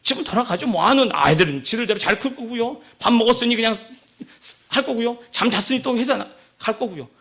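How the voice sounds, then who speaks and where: High-voiced gravelly pastor preaching. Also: male voice, fast, fairly bright tone. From Jeolla province, Korea. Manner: conversational preaching, asks the congregation questions often. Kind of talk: sermon. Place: church sanctuary.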